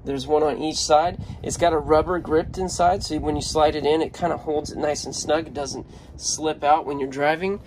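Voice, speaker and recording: A man's voice: a little high, steady tone, moderate pace, a little mellow, a little hiss or hum, rough recording. A man chatting offhandedly as he shows around a van, filming on a handheld phone. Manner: chatty, offhand, thinking aloud. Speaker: vlogger. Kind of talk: casual walkaround video. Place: inside a parked van.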